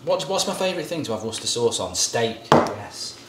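A man's voice: mid-range voice, very animated, a little fast, distant mic, heavy background noise. A man in his thirties hosting a home cooking video, chatting casually and rambling off into jokes while he cooks. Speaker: cooking show host. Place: home kitchen, indoors. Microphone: camera mic at a distance. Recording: echoey kitchen, mic set back.

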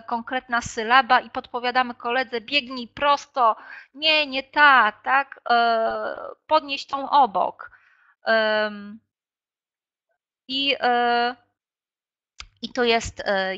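Speaking over a video call with dull, lo-fi audio, a teacher trainer runs an online workshop on classroom games. Her voice sits on the high side with a sharp tone, and she hesitates and uses filler sounds a lot.

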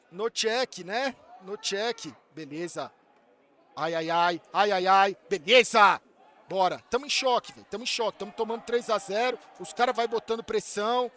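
A man with a Brazilian Portuguese accent streaming a live football watch-along, excitable, shouting at the players and swearing, then talking to his chat in between. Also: extremely high pitch. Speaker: streamer reacting to a football match.

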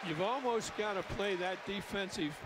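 A man's voice: high voice, normal speed. A man giving color commentary on a basketball game, explaining plays in a folksy, coaching way. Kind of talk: basketball analysis. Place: arena broadcast booth. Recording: loud crowd noise behind.

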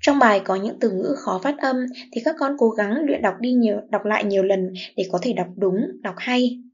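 A woman teacher giving a reading lesson to young pupils, with slow, clear, expressive model reading and word-by-word explanations. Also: medium pitch, muffled recording. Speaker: primary school teacher.

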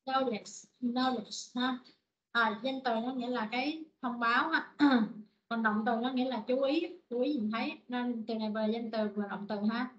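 Woman, English teacher, online lesson, slow repetitions, slightly high voice, dull lo-fi sound. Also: a bit bright. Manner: repeats words slowly, explains in short phrases.

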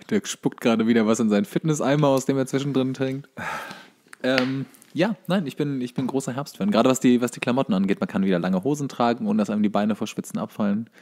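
A man's voice: medium pitch, a little fast, a little mellow. Casual man chatting on a podcast. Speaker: podcast co-host.

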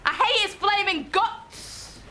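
A young actress playing a defiant, bitter teenage daughter in a TV drama, blunt and confrontational. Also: female voice, extremely high pitch, slow, noisy background. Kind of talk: naturalistic TV drama acting.

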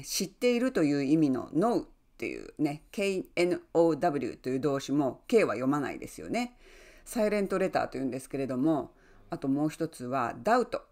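Lively, encouraging woman coach. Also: on the low side. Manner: friendly, encouraging, often adds "ne" tags. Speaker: online English coach. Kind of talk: advice talk to camera.

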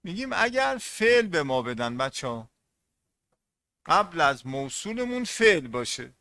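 A man's voice: fairly high pitch, very animated, pushed and bright, no echo. A man teaching English grammar in an online class, speaking on English words, often repeating points and asking the class questions.

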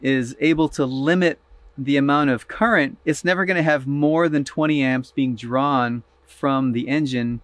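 A man's voice: medium pitch, fairly even intonation, normal speed, a bit bright, no echo. A man in his fifties, an RV vlogger, casually explaining a DIY setup step by step with frequent "uh" restarts, filmed at arm's length outdoors and in a van cab.

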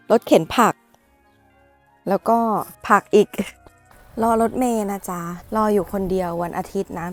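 A woman's voice: mid-range voice, fairly bright tone. A young woman from Thailand chatting casually in a vlog, playful and joking, with cheeky slang. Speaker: vlogger.

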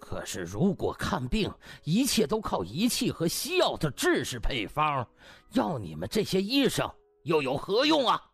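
男人演绎的严厉训人的老院长，起伏很大. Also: male voice, on the high side, huge pitch swings, fairly bright tone, breathy edge, no room sound, faint music behind, heavily acted. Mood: scornful, angry. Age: older. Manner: slow drawn-out scolding, rhetorical questions. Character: stern disappointed old male hospital director, scolding, contemptuous.

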